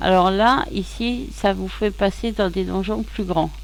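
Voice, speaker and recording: At a very slow pace, a woman speaks. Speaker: gaming youtuber. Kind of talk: tutorial. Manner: casual.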